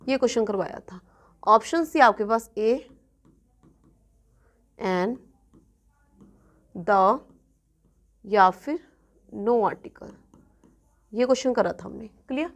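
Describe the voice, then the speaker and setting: Woman, fairly high pitch, grammar lesson, mixes Hindi and English, keeps checking in. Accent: Punjabi-influenced Hindi-English. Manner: checks in often with students, repeating examples slowly. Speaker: exam coaching teacher.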